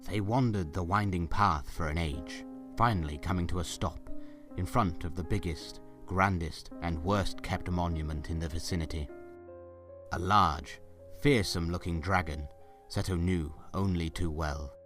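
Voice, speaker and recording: A male narrator with a deep voice tells a scripted story in a dramatic style. Faint music plays behind him, as in an audio drama. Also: moderate pace.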